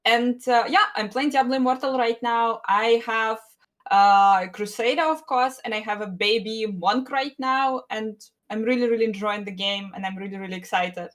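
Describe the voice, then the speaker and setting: A woman with a Russian accent chats as a guest on a gaming podcast. Her voice sits a little high, and she talks in short, simple sentences. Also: moderate pace, a bit bright. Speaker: guest streamer. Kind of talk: casual podcast chat.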